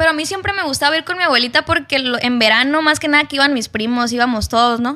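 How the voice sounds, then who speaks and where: A woman's raised, projected voice with a northwestern Mexican accent, bright and sharp in tone, very fast in pace, with ordinary pitch variation. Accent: northwestern Mexican (Sinaloa) Spanish. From Mazatlán, Sinaloa, Mexico. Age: 20s. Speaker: influencer / youtuber. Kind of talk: casual interview chat. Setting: studio.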